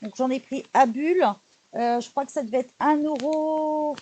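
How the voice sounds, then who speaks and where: A woman presenting her recent craft purchases in a casual, chatty haul video, often pausing on fillers. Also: sits high, mellow, a little hiss or hum. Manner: chatty, many hesitation fillers and "donc voilà". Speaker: craft YouTuber showing purchases.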